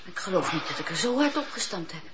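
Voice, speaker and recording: An actress playing a fierce, principled judge's wife who turns from scorn to care in a radio play. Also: female voice, on the low side, fast talker. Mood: contrite. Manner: sharp, scornful, lively. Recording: dull lo-fi radio recording with hiss.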